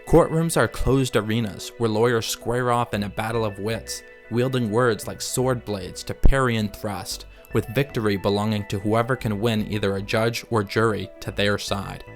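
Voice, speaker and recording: A man with a fairly low voice narrates a scripted analysis over music. He speaks in a measured, articulate way, explaining each point like an essayist. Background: background music.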